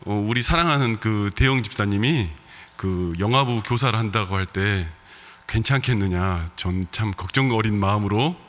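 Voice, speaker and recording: A male pastor with a bright, forceful voice and a regional Korean dialect accent preaches to his congregation in a relaxed, conversational way, dropping in soft laughs and fillers. His voice rings out with the long reverb of a church sanctuary. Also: on the low side, moderate pace. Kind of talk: sermon.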